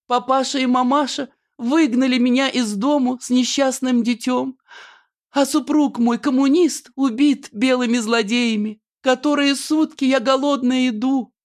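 A male reader voicing a young peasant woman in a village stage melodrama, shrill, sing-song and theatrically lamenting. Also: steady tone, unhurried. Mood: tearful, lamenting.

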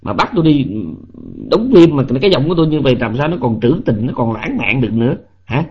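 A man's voice: medium pitch, animated, quick pace, husky. A man with a Southern Vietnamese accent giving a Buddhist dharma lecture, emphatic and scolding, firing off rhetorical questions. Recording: lo-fi online voice chat audio.

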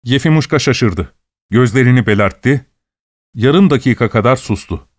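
A man narrating a story as an audiobook in a steady, measured reading style. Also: mid-range voice, no room sound, studio quality.

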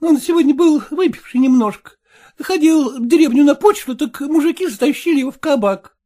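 A woman's voice: high voice, expressive, fairly quick, warm tone. A woman voicing an eager, impatient young peasant woman who presses and pleads in folksy speech. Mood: chatty.

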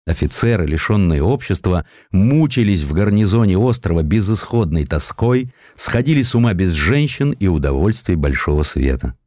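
A man narrating a historical story in an expressive, theatrical literary style. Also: sits low, normal speed, hardly any pauses, dry recording, studio quality. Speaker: narrator, audiobook reader.

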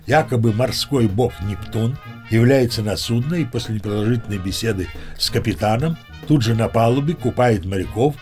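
An actor playing an old sea captain, spinning tall tales in a leisurely, self-important, theatrical way for an audiobook drama. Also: male voice, medium pitch, a little mellow, faint music behind, natural voice. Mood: nostalgic, savouring. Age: older. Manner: leisurely, pompous, savouring pauses and asides.

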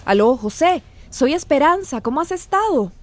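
A woman's voice: sits high, sing-song, normal speed, a little mellow. A tender migrant mother. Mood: affectionate. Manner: tender, chatty, concerned. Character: warm affectionate middle-aged migrant mother. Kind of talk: radio drama acting.

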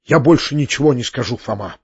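A man's voice: mid-range voice, fast talker, breathy edge, dry recording, dull audio. A man voicing an emotional, kind-hearted middle-aged colonel in an audiobook, speaking in an exalted, fervent way.

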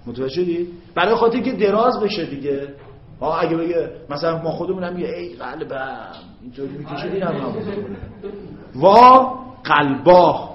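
Man teaching grammar in an echoey room. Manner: drawn-out chanting of Arabic examples; checks understanding with quick questions to students. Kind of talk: classroom lecture. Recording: echoey, dull low-fi classroom recording.

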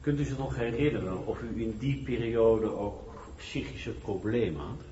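A very roomy, slightly noisy recording carries a man acting as a formal official in a radio drama. His voice is fairly low, and he probes with polite, insistent questions. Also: normal speed, mellow, lo-fi sound, natural voice.

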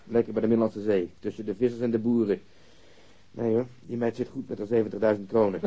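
A blunt, cynical detective in a radio drama. His voice is dark and husky, casual and sardonic, on a somewhat dull recording. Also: on the low side, little pitch movement, fast. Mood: sardonic amusement. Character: cynical, coarse, amused male police detective.

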